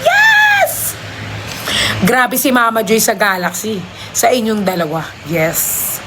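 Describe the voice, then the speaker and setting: A young woman on a casual livestream, talking excitably into a phone and gushing thanks for gifts, mixing English into her talk. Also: mid-range voice, a little slow, heavy background noise. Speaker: live streamer.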